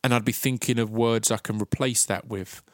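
A man hosts a casual podcast, often catching on the first sound of a word before pushing through. His voice sits at an ordinary pitch. The recording is close and dry with no room echo. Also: steady tone. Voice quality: stutter. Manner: halting, repeats sounds at word starts. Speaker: podcast host. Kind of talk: casual interview and reflective monologue.

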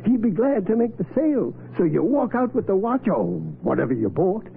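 An actor playing a scheming old shopkeeper in a 1940s radio drama, coaxing, with a stammer that repeats words. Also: male voice, sits high, very animated, fairly quick, creaky, full character voice. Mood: coaxing, sly. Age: older. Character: scheming old candy-store man running a swindle. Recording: tinny, hissy old radio broadcast.

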